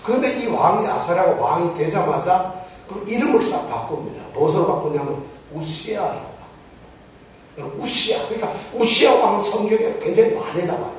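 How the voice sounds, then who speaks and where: A man's voice: a little high, a little hiss or hum. A man preaching a Bible teaching sermon in a church, often putting questions to the congregation. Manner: poses rhetorical questions to the congregation. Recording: very echoey church hall, mic far off.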